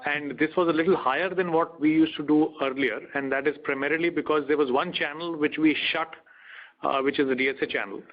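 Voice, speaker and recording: A man with an Indian accent, a bank executive explaining figures matter-of-factly on an earnings call. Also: medium pitch. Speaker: bank retail business executive. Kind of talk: earnings call question and answer. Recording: dull conference call audio.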